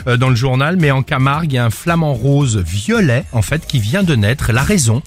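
A man hosting a morning radio show, upbeat and teasing in lively banter. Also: mid-range voice, moderate pace, soft background music.

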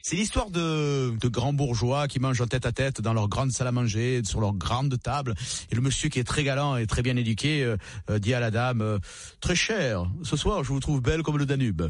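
A man of middle pitch telling a joke in a measured way, with little hesitations along the way. His voice sounds dry and close, with no room around it. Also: dry recording. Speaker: joke teller. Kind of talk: telling jokes aloud.

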